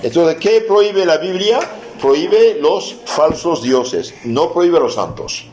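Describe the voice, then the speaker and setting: A man, a priest, giving a catechism lesson, asking rhetorical questions, answering them emphatically and reading scripture slowly and deliberately. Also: fairly high pitch, animated, darkish tone. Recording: echoey room with faint noise.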